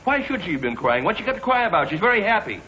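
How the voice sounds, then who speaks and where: Gentle joking father, lively delivery, muffled old radio show. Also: fairly low pitch, normal speed, a little hiss or hum. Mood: bluffing. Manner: gentle, teasing. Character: fond middle-aged father Harry Archer. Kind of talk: 1940s radio acting. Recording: dull old radio broadcast.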